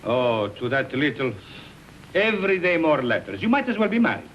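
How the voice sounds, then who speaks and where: An actor with an Italian accent playing a boisterous, drunken army officer who teases, laughs and mocks in theatrical 1930s film style. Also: male voice, a little high, sing-song, moderate pace, a bit bright. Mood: drunk teasing. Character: boisterous drunken male officer, teasing and swaggering. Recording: muffled old film soundtrack with hiss.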